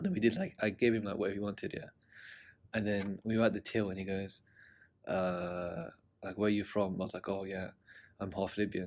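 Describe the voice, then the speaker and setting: A man talks in a fairly low pitch with monotone, flat intonation. He leaves long, frequent pauses. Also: fairly quick pace. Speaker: podcast co-host. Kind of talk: casual chat.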